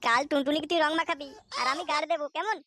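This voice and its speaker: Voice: sits high, very fast, very noisy, natural voice. An actor voicing a wary but easily tempted young boy, the sidekick in a comedy cartoon. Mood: eager, teasing. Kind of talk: comic cartoon dialogue.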